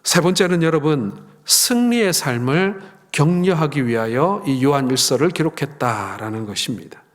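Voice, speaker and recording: A middle-aged man preaching a sermon as pastor, telling lively stories and acting out family dialogue. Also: a little high, normal speed, few pauses. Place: church sanctuary. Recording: long reverb of a church hall.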